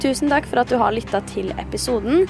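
A woman's voice: on the high side, gravelly. A woman hosting a podcast, narrating true crime in a conversational style. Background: background music.

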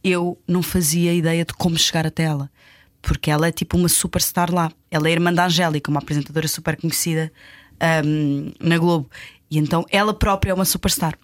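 A young Portuguese woman tells a story in a relaxed studio chat, in a European Portuguese accent. Her voice sits a little low, and she slips into the voices of the people she quotes. The sound is dry and close to the mic. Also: quick pace, no room sound. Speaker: actress telling a story as a guest. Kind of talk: casual chat.

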